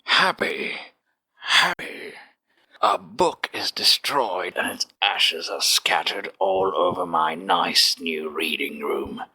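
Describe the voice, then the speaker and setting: A performer playing a grim, aggrieved keeper of a reading room in an audio fantasy comedy, with a raspy voice. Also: deep voice, animated, sharp tone, heavily acted, low-quality recording. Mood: outraged. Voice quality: raspy, husky. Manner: slow, indignant. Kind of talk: audio fiction comedy acting.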